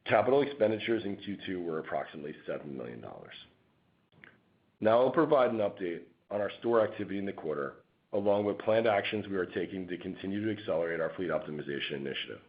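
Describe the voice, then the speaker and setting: A man presenting as a company finance executive, reading a scripted financial report in a formal, measured manner. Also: deep voice, lively intonation. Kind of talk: scripted earnings-call presentation. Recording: dull, lo-fi conference call audio.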